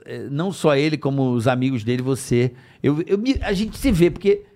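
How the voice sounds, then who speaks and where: A middle-aged man with a Brazilian accent hosting a podcast, reading sponsor spots and chatting in a lively, joking way. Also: mid-range voice, fairly quick. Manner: lively, jokey, spells out sponsor names. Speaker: podcast host. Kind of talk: casual podcast chat with ad reads.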